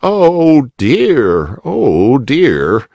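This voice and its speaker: A man voicing a polite, kind old rabbit gentleman in a gentle, fussy way. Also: medium pitch, huge pitch swings, very slow, creaky, no room sound, pitched above the performer's own voice, full character voice. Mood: kindly.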